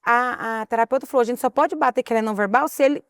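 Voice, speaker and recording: High-voiced woman storyteller. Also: racing, no room sound, clean studio sound. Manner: animated storytelling, quotes others. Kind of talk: casual chat.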